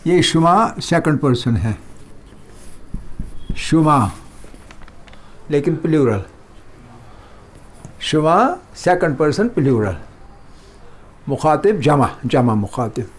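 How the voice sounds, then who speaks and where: Slow, deliberate male language teacher. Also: a little high, expressive. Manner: slow, drawn-out repetition of words; explains in Hindustani mixed with English. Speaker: Persian teacher. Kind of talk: slow classroom lesson.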